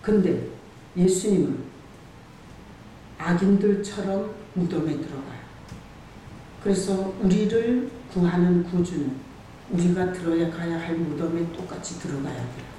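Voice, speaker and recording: A pastor preaching a sermon in a church, emphatic and quick to throw rhetorical questions at the congregation. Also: medium pitch, warm tone. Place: church sanctuary. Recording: very echoey church hall, far from the mic, faint hiss.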